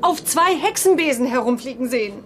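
A woman's voice: high-pitched, lively intonation, fairly quick. An actress playing a worried mother searching for her child in a children's audio drama. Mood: worried, pleading. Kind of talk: 1980s German children's audio drama acting.

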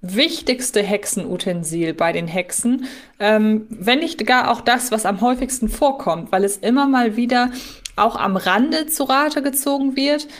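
Woman podcaster chatting casually, voice a bit on the high side. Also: measured pace. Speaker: podcast co-host. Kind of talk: casual fan podcast chat.

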